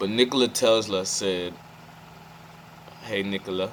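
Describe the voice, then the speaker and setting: With a Caribbean accent, a man speaks at a fairly slow pace and keeps his intonation fairly even. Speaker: spiritual vlogger. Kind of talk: casual monologue. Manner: rambling, halting.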